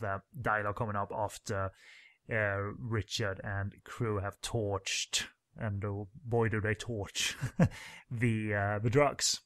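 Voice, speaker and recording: A man hosting a casual film commentary podcast, rambling with lots of fillers and restarts. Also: on the low side.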